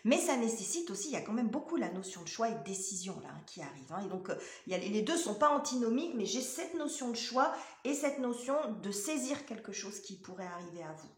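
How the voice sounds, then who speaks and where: A woman speaks in French, reading tarot cards aloud in a casual, searching way. She pauses and restarts often while her voice sits at an ordinary middle pitch. The room gives her speech a noticeable echo. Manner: hesitant, many fillers and restarts. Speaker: tarot reader. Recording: roomy echo.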